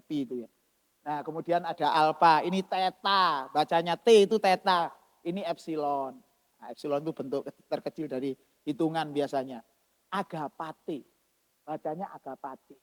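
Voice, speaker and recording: A man preaching a sermon as pastor, swinging between loud emphasis and soft asides. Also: on the high side. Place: church hall. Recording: long church-hall reverb.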